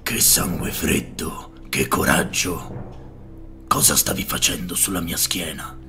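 A man playing a big, haughty, menacing lion king in a cartoon fairy tale, slow and threatening, with a growling voice. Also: low-pitched, music in the background, heavily acted. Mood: menacing, sardonic. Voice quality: gravelly, growling.

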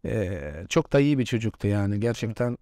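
A former footballer in his forties tells chatty stories in a casual interview, laughing often. His voice is on the low side, fairly quick and warm, recorded with clean studio sound and no echo.

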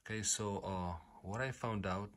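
Halting man explaining a repair. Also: fairly low pitch, fairly even intonation, fairly bright tone. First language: not English. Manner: halting, repetitive, often saying okay. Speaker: repair tutorial host. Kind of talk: unscripted hands-on repair explanation. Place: indoors at home.

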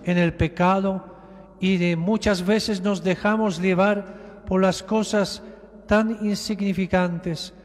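A man giving a sermon as a bishop, preaching slowly and with emphasis, often repeating words for weight. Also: high voice, steady tone. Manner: slow, emphatic preaching with repetitions. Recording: long church reverb.

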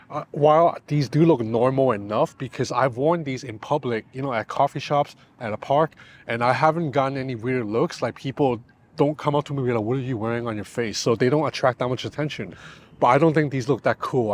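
A man's voice: medium pitch, a little hiss or hum. Man, 30s, Cantonese first language, casual self-deprecating tech reviewer, lapel mic in a park. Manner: conversational, explanatory, self-deprecating. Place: outdoors in a city park. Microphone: clip-on lapel mic.

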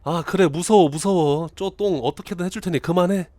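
A man's voice: sits high, a little fast, mellow, no room sound, pitched above the performer's own voice, natural voice. A man reading the lines of a grumpy male game character who is irritated and sarcastic with his friend. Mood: annoyed.

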